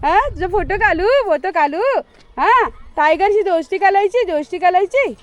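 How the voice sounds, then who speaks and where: A woman's voice: extremely high pitch, lively intonation, normal speed, no room sound. A woman vlogging on a farm, chatting to viewers and coaxing her pets with repeated words. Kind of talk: casual vlog narration. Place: farm cowshed outdoors with animals.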